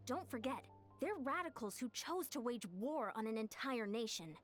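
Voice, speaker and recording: A woman voicing a watchful, serious young female fighter in a video game, measured and thoughtful. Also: fairly high pitch, lively intonation, faint music behind, close to an everyday voice. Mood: firm, serious.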